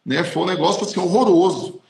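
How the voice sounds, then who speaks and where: A pastor who also hosts a podcast shares a personal testimony with emotion and emphasis. His voice is high, creaky, and darkish in tone, moving a little fast, and the recording has a roomy echo.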